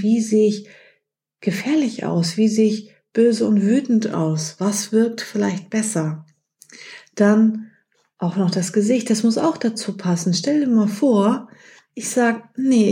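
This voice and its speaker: Mellow-voiced woman coaching listeners. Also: medium pitch. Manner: direct, coaching, addresses listener as du; acts out short example phrases. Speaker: podcast host. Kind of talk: advice podcast talk.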